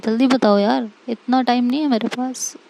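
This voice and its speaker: A woman's voice: on the high side, steady tone, moderate pace, creaky, dark tone. A woman voicing a hurt young woman who pleads and presses her friend with questions. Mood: pleading.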